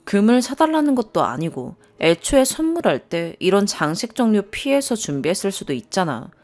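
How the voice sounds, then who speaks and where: A woman voicing an irritable young woman who scolds her boyfriend in a sharp, sarcastic tone. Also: medium pitch, big pitch swings, moderate pace, close to an everyday voice. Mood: scolding.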